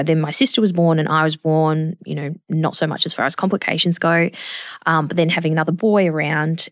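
Low, creaky-voiced woman in her forties. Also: no echo, clean studio sound. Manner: earnest, hesitant, many pauses. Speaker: mother interviewed about parenthood. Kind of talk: reflective interview conversation.

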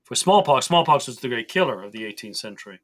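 A man speaking as a podcast guest, explaining in a measured way. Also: medium pitch, animated, a bit bright. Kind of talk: conversational discussion.

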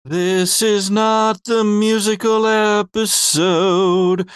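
A man hosting a podcast as game master, giving intros and announcements in a deliberate, playfully emphatic way. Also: sits high, level tone, smooth, no echo, clean studio sound.

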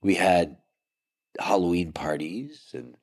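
Stuffy-nosed guy in his 40s cohosting a podcast w his wife, real low voice, keeps tripping over his words. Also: slow, vocal fry, dry recording, clean studio sound. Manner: energetic, repeats words as he restarts. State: congested, stuffed-up voice. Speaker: podcast co-host. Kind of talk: casual couple's podcast chat.

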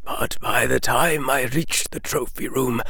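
A man voicing an old male wizard headmaster who speaks calmly in a hushed, near-whispered voice. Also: mid-range voice, unhurried, creaky, no room sound, studio quality, pitched above the performer's own voice, heavily acted.

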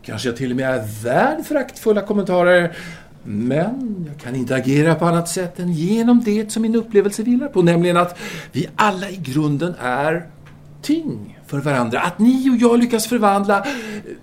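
An actor playing a self-assured, philosophizing Parisian intellectual man in an audio drama, with formal, deliberate phrasing. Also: high voice, sing-song, a little hiss or hum. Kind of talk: audio drama acting, formal literary dialogue.

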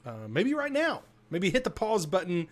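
A man's voice: high-pitched, wildly swooping pitch, moderate pace. A man co-hosting a casual tech podcast, upbeat and coaxing, repeating himself as he urges listeners on. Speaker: podcast co-host.

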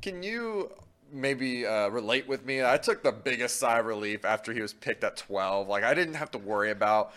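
A man of middling pitch chatting about sports on a casual show. He talks in a relaxed, conversational way and often repeats a point as he works through it. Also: moderate pace. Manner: easygoing, conversational, repeats himself. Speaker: podcast co-host.

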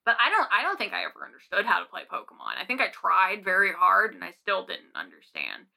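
A young adult woman with an American accent chats casually as a podcast co-host. Her voice is clearly bright, at an ordinary pitch for a woman. She talks informally, working out her thoughts aloud. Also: huge pitch swings, a little fast. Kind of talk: casual chat.

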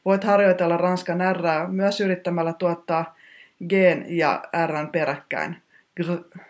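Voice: mid-range voice, fairly even intonation. A teacher giving a scripted pronunciation lesson in a precise, technical, instructive manner.

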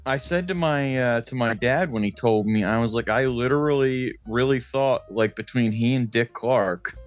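A man's voice: medium pitch, moderate pace. A man co-hosting a casual comedy podcast, talking in a rambling, loose way with some swearing. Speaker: podcast co-host.

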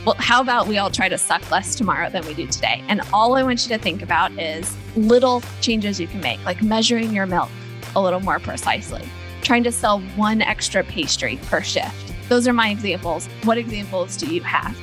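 A woman entrepreneur, a guest on the show, talking in an energetic, informal, motivational way. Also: mid-range voice, fairly quick, faint music behind. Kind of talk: casual interview talk.

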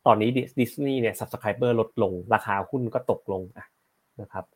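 A man's voice: medium pitch, measured pace. A man hosting a casual live stream about stocks, chatting with viewers and explaining news headlines, slightly short of breath. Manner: chatty, rambling, reads headlines aloud and explains them. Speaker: host of a stock market live show.

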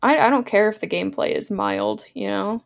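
Woman cohost, kinda gravelly voice, agreeing along in casual chat. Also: mid-range voice, wildly swooping pitch, a little fast. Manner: warmly agreeable, chiming in. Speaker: podcast co-host.

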